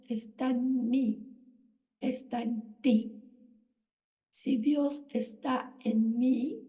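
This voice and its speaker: A woman's voice: high-pitched, warm tone, far from the mic. A woman giving an earnest, lecturing spiritual talk as a radio host.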